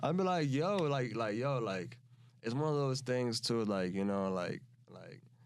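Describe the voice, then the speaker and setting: A man talks with an American accent and lively intonation. Audible room echo surrounds his voice. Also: medium pitch for a man, fairly slow pace. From New York City, the Bronx. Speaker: rapper. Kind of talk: casual chat.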